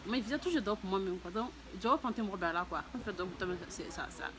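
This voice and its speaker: A woman talks to her viewers in a relaxed, personal vlog at an ordinary middle pitch. Her speech is halting: she repeats words and restarts her sentences often. A faint background hum sits under her voice. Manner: voices other people's lines in a raised, lively tone. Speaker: vlogger. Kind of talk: casual personal testimony to viewers.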